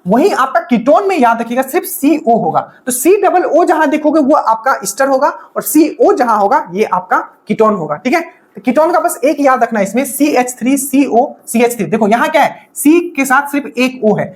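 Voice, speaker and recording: Rhetorical-questioning woman teacher, slightly high voice. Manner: explains step by step, often checking in with "okay" and asking rhetorical questions; repeats key points for memorising. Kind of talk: exam-prep classroom lecture.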